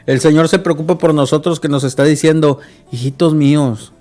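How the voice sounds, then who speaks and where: A man's voice: fairly high pitch, fairly even intonation, quick pace, a little mellow, soft background music. Earnest male Christian radio host. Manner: earnest, repeats words when searching.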